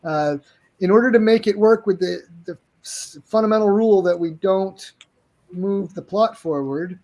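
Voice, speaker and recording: Higher-voiced man, halting guest speech. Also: darkish tone, rough recording. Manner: halting, restarts with many ums and uhs. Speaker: game publisher guest. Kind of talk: casual interview chat.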